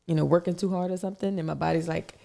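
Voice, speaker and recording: A woman co-hosting a podcast in casual chat, her voice raspy from being under the weather, talking chattily and laughing often. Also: on the low side, steady tone, rapid-fire, mellow. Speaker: podcast co-host.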